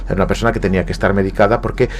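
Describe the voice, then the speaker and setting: He races along in a lowish, steady voice: a guest writer from Galicia, Spain, with a Spanish accent, giving a reflective radio studio interview marked by frequent hesitations and repeated words.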